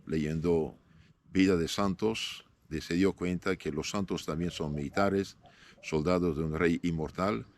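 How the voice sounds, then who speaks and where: Low-voiced Syrian-born priest, halting. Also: male voice, darkish tone. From northern Syria. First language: Aramaic. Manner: measured, halting with frequent "eh" fillers and restarts. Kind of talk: interview answers.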